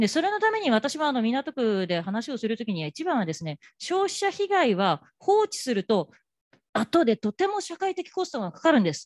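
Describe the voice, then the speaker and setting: A woman talks at a moderate pace with a high pitch, very wide pitch swings and big swings in loudness. The sound is dry and close, with no echo. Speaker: local councillor. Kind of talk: presentation. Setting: video call. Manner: formal.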